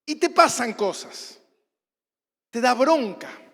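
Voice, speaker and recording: High-voiced Argentine pastor in echoing hall. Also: male voice, lively intonation, takes it slowly. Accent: Rioplatense Spanish. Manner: storytelling, acts out scenes, bursts into shouts. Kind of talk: sermon. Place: church hall. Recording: church hall reverb.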